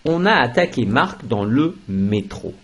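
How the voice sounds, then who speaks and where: Slow, husky male French teacher. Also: mid-range voice, sing-song, fairly bright tone, low-quality recording. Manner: explains slowly, switches into English for translations. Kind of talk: grammar lesson.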